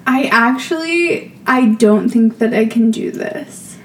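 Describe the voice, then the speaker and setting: A young woman with a high voice talks at an unhurried pace while co-hosting a podcast. Her chat is crude and full of laughter. A faint hiss sits behind her. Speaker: podcast co-host. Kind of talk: casual chat.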